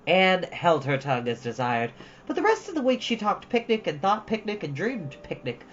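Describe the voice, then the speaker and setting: A woman reading a children's classic aloud as an expressive storybook narrator. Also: on the low side, normal speed. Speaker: storytime reader. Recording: dull, lo-fi, faint background noise.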